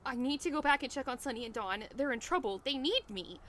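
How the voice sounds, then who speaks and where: A woman's voice: sits high, animated, quick pace, a bit bright, a little hiss or hum. A woman playing a frantic, brash, rambling newcomer stranded in hell in a comedic audio drama. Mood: panicked, confused.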